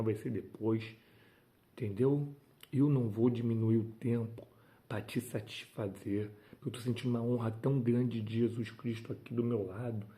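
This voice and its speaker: A man delivers a devotional sermon with fervent emphasis. He often breaks into exclamations of praise. His voice is very mellow and dark-toned. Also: medium pitch. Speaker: preacher.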